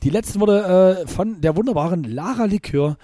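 A man with a slightly husky, somewhat high voice co-hosts a podcast in loose, casual chat. He rambles, restarts his sentences and fills pauses with hesitation sounds. The close, dry studio sound leaves no room echo. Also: mellow. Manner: rambling, restarts often with filler sounds, chuckles. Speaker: podcast co-host and DJ.

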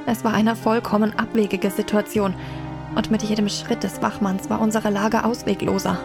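A woman playing a reflective first-person narrator in a German radio play, telling a medieval tale in measured literary style. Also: medium pitch, little pitch movement, vocal fry, natural voice. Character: reflective female narrator recalling her medieval childhood. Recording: music behind the voice.

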